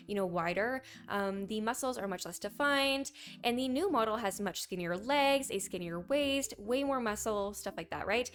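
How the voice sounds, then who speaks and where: Young woman, hoarse raspy voice, rapid chatty commentary, faint music behind. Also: medium pitch. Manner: chatty, quick, reads posts aloud and comments. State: hoarse, sore throat. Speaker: gaming news commentator. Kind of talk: casual commentary.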